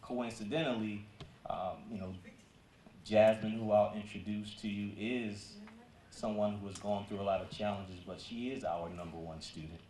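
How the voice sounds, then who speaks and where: A man's voice: on the low side, fairly even intonation, moderate pace, a little mellow, slight background noise. A man who is a school principal gives a conversational speech at a ceremony, with many fillers. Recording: echoey hall.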